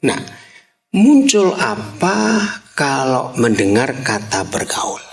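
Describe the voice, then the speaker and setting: A man's voice: medium pitch, very animated, vocal fry. A man preaching a sermon to a congregation in a church hall, asking them questions and stretching out key words to stress them. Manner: shouts key words slowly to drive them home. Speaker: pastor.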